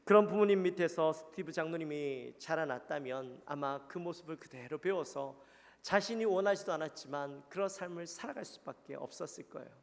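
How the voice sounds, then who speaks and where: A pastor with a Gyeongsang Korean accent preaches in a slightly high, gravelly voice. He speaks earnestly and conversationally, asking the congregation questions. A long reverb from the church hall trails behind his words. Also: brisk. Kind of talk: sermon. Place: church sanctuary.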